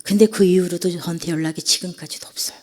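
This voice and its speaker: A woman's voice: lowish voice, steady tone, fast talker, a little mellow. A middle-aged woman preacher giving an emotional sermon testimony, dropping to whispers and then rising again. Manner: emotional storytelling, drops to whispers then rises. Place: church sanctuary.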